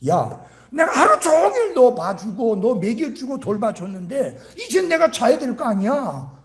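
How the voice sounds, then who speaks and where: A man's voice: extremely high pitch, big pitch swings, a little slow, pitched above the performer's own voice, heavily acted. A man preacher acting out a worn-out parent complaining to a baby crying at night. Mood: exasperated. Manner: exasperated.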